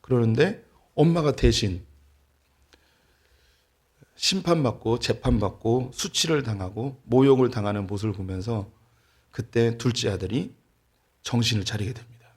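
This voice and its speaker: Middle-aged pastor preaching with humor. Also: male voice, medium pitch, moderate pace, pauses often, a little mellow, husky. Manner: storytelling with light humor. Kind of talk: sermon. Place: church sanctuary.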